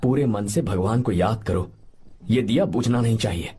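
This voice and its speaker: A man's voice: fairly low pitch, moderate pace, breathy edge. A man voicing an earnest, reassuring young man in a Hindi movie dub. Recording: dubbed film with loud background music.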